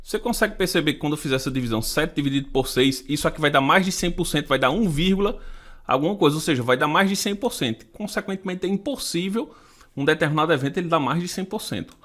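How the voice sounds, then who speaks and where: A man with a Brazilian Portuguese accent teaches a math class, solving exam questions one step at a time. His voice sits a little high, and he counts items out loud and puts rhetorical questions to his students as he goes. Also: fast.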